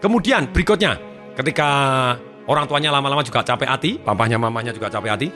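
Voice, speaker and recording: A man giving a motivational seminar talk, animated and addressing his listeners directly. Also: medium pitch, fast, soft background music. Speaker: motivational speaker.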